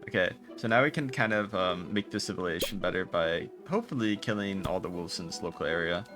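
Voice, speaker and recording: Low-voiced man fumbling through casual game commentary. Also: quick pace. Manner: fumbling for words, trailing off and restarting mid-sentence. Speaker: video game streamer. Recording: music playing behind the voice. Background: game music.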